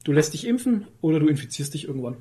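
A man with a somewhat high-pitched voice. He talks in a loose, conversational way, as a co-host bantering on a podcast. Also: big pitch swings, racing, dark tone. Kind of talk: casual banter.

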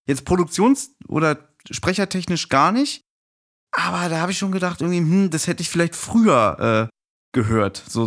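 A man's voice: a little high, fairly bright tone. A middle-aged man talking casually and reminiscing as a guest on a podcast.

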